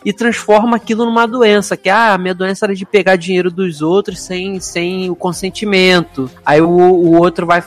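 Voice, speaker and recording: A man chatting casually about a film, with expressive, emotional reactions. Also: sits high, normal speed, hardly any pauses.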